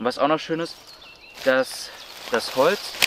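A man speaks at a fairly slow pace in a dry sound with no echo, with noticeable background noise behind him. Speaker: firewood vlogger. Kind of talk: explanatory vlog talk. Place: forest.

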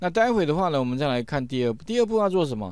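Here a man is speaking. His intonation is lively. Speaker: programming teacher. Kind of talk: lecture. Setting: remote online class. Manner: filler-heavy, with frequent 哈/哦 particles.

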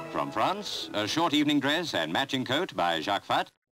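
Music plays in the background as a man with a British accent speaks. He talks at a moderate pace in a medium pitch. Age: recorded 1956. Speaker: newsreel narrator. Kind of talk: vintage newsreel narration. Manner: jaunty, brisk.

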